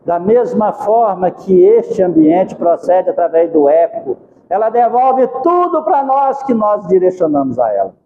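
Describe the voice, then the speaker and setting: A man's voice: high voice, big pitch swings, unhurried, slight background noise. A man giving a religious lecture, preachy and asking the audience questions. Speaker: spiritist lecturer. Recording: dull lo-fi recording.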